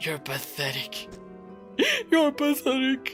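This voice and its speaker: Put-on character voice, fairly high in pitch with very wide pitch swings, at a fairly slow pace over clear music in the background. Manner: contemptuous, scornful.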